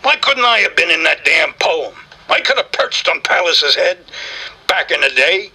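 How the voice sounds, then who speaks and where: An actor voicing a grumpy, touchy black cat celebrity with a raspy voice, griping and wisecracking in slangy style in a comic audio interview. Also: male voice, fairly high pitch, sing-song, moderate pace, sharp tone, heavily acted. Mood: sardonic griping. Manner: brash, slangy, sardonic showbiz griping.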